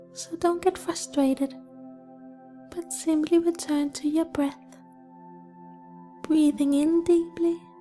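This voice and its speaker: Over music in the background, a woman with a high pitch and a calm, soothing tone speaks at a very slow pace, her intonation monotone and flat, broken by long, frequent pauses. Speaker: meditation guide. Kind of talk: guided meditation. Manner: calm, slow, soothing.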